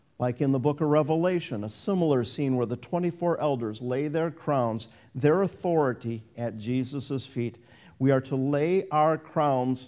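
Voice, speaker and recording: A man speaks at a fairly high pitch in a dark, mellow tone. His pitch varies in an ordinary way over a quiet background. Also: fairly slow pace. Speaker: preacher. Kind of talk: sermon. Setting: church. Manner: earnest, urging the congregation to shout, clap and come forward; warm, rising to a rallying, celebratory call at the close. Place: church. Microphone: lapel.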